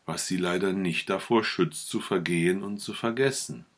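Fervent proud young guy, read out by a man, deep husky voice. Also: normal speed. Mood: fervent, indignant. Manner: fervent, indignant. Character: passionate idealistic young man, proud and touchy.

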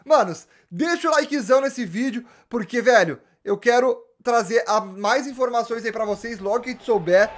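A man's voice: very high-pitched, moderate pace, hardly any pauses. A young man, chatting animatedly to camera about football, slangy and full of restarts. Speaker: football YouTuber. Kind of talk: casual fan commentary to camera. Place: small indoor room with gaming chair.

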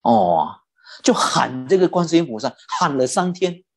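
A Buddhist teacher giving a dharma talk and telling a story in an animated way, stretching out particles like "oh" and "ah". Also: mid-range voice, moderate pace, faint music behind.

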